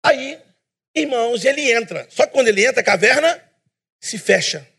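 A man preaching a sermon in a church, emphatic and animated, with self-deprecating humor. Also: very high voice, moderate pace, breathy edge.

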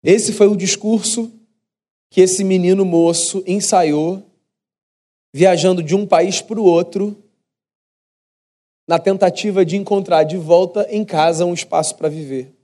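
Mellow-voiced Brazilian preacher. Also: male voice, high-pitched, steady tone, a little slow, long pauses. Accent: Brazilian Portuguese. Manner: conversational storytelling, acting out inner voices. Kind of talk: sermon.

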